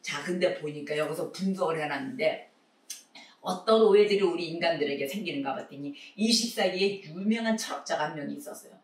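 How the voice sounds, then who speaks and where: A man preaching a sermon, telling the story with animated voices for the people in it. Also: on the high side, brisk. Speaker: pastor. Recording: echoey room, recorded from far off.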